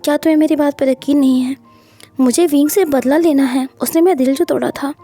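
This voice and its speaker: A woman's voice: high voice, fairly even intonation, fairly quick, warm tone, faint music behind, close to an everyday voice. Woman voicing a possessive, commanding young husband.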